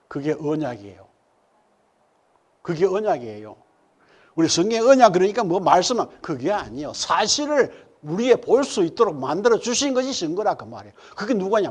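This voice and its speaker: A male pastor, preaching a sermon and firing rhetorical questions at the congregation. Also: slightly rough. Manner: swings from loud emphatic peaks to low murmured asides. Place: church sanctuary.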